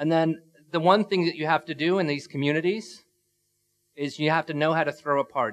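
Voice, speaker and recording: Against a quiet background, someone with a British accent speaks at a fairly quick pace. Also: man. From South London, England. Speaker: architect and humanitarian NGO co-founder. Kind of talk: lecture. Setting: public lecture with audience. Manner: casual, conversational with fillers.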